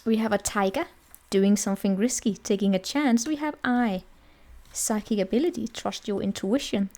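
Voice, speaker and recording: A woman's voice: medium pitch, normal speed, darkish tone. A woman giving a casual tarot reading in a chatty, rambling way, often checking in with the listener. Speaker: tarot reader.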